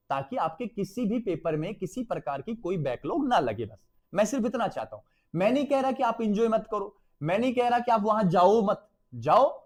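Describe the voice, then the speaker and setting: A man's voice: high voice, a little mellow. A man with a Hindi accent, teaching an exam revision lesson, calling his students beta and checking again and again that they follow.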